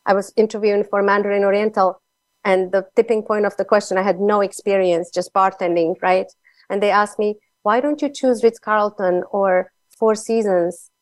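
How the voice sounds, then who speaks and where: A woman's voice: mid-range voice, fairly even intonation, moderate pace, no room sound. A woman with a Slovak accent, a guest author telling personal stories in a conversational interview.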